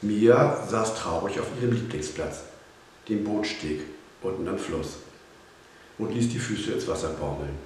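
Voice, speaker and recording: A man narrating a children's storybook in a calm, measured reading, in an echoey room with faint hiss. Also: fairly low pitch.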